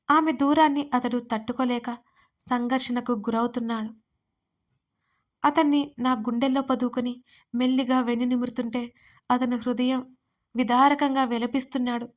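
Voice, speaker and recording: A young woman telling an emotional first-person story as writer and narrator. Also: a little high.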